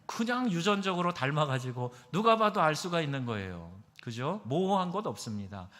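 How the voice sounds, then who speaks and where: Korean pastor preaching in a reverberant hall. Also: male voice, very animated, normal speed. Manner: emphatic, asks the congregation rhetorical questions; swings between loud stresses and soft low asides. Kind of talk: sermon. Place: church sanctuary.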